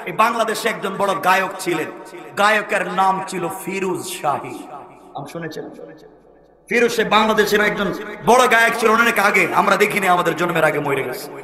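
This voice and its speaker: A man with a Bangladeshi Bengali accent preaching a waz sermon as an Islamic preacher, telling stories in colloquial speech with sudden shouted bursts. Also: high-pitched, moderate pace. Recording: echoey sermon gathering with crowd.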